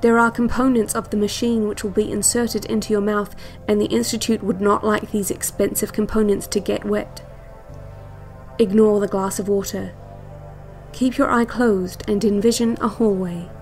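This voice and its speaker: A woman playing a calm, controlling instructor on a guided visualization cassette, speaking slowly in a measured, clinical way. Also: medium pitch, faint music behind, close to an everyday voice. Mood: calm, controlled. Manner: slow, measured, clinical, hypnotic. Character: calm, controlling female relaxation-tape instructor.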